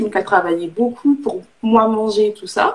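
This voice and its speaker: This woman's fairly high voice moves with lively intonation. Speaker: weight and emotional eating coach. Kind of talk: live video chat. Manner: fast.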